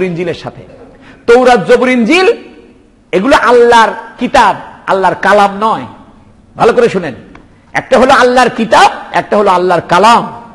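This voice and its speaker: A man's voice: very high-pitched, long reverb tail. A man preaching a sermon, impassioned, firing rhetorical questions and repeated exclamations of praise. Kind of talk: Bengali waz sermon.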